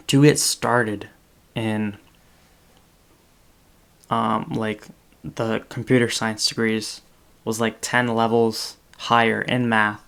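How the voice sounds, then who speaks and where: On a video call from a small room, a podcast host in his twenties chats casually, wandering with plenty of fillers and corrections. His voice is on the low side, with vocal fry and a bit of brightness, and the tone is clean.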